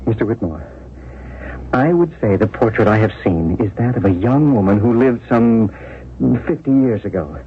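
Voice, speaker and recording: An actor playing a polite, inquisitive jeweler who also narrates a 1970s radio drama in a courteous, measured way. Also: male voice, lowish voice, expressive, slightly rough. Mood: gently probing. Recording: tinny old radio broadcast with hiss.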